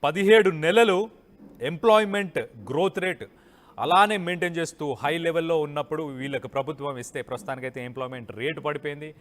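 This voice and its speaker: High-pitched Telugu newsman in heavy reverb. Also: fast, a bit bright. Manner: emphatic, repeats phrases for stress. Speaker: news presenter. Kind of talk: live news commentary, explaining and opining.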